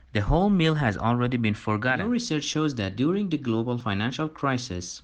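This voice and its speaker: A man reading short practice passages aloud in a measured, formal way. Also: mid-range voice. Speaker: exam practice reader.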